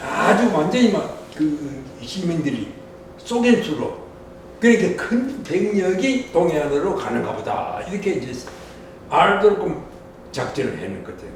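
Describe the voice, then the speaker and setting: The voice moves at a fairly slow pace with very wide pitch swings and big swings in loudness. Noticeable background noise runs underneath. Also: man, high pitch for a man. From Yeongdeok, North Gyeongsang, South Korea. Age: 80s+. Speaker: Korean War veteran. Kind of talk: interview answer.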